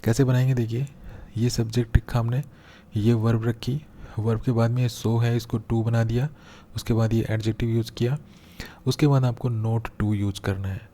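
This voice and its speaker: A man teaching English grammar in a lesson, explaining patiently step by step and slowing down to read out example sentences. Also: medium pitch, level tone, dark tone. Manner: patient, step-by-step, repeats key points.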